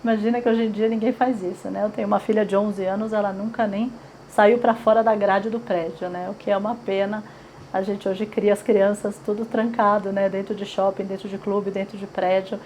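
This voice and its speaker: A woman from São Paulo in her forties, speaking Brazilian Portuguese with a paulistano accent, talks briskly in a level, medium-pitched, darkish voice. She chats through an oral history interview with frequent fillers and tag questions. Recording quality is poor, with slight background noise.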